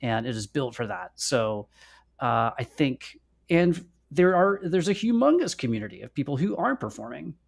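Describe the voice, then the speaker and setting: A man's voice: medium pitch, sing-song, normal speed, creaky. A man co-hosting a podcast livestream in a casual, conversational way. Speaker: podcast co-host.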